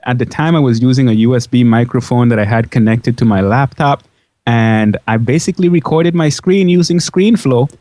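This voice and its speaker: A man's voice: medium pitch, normal speed, dark tone, dry recording. A man from the Dutch side of a Caribbean island, schooled in Dutch, telling his story as an enthusiastic, chatty interview guest. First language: Dutch-schooled, fluent English. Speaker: interview guest, biology educator.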